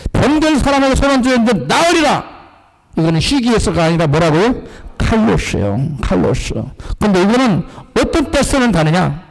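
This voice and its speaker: A middle-aged man preaching a sermon as a pastor, asking the congregation questions and answering them, explaining the meanings of Greek and English words. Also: high-pitched. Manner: call-and-response questions to the congregation. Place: church sanctuary. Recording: long reverb of a church hall.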